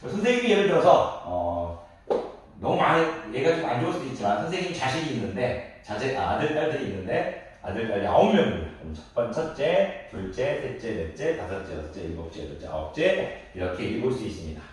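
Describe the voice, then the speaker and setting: A middle-aged man teaching a math lesson to young children. He refers to himself as the teacher and counts aloud slowly while drawing. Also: mid-range voice, big pitch swings. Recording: echoey room, voice from a distance.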